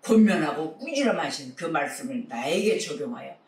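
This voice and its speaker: High-voiced Korean pastor preaching in echo. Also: male voice, sing-song, moderate pace, distant mic. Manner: earnest preaching, exhorting the congregation. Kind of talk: sermon.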